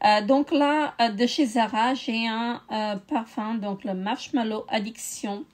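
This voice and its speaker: A woman's voice: a little high, fairly even intonation, unhurried. A middle-aged woman, tired, chatting casually with many hesitations in a beauty haul video. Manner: hesitant, many euh fillers. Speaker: beauty vlogger.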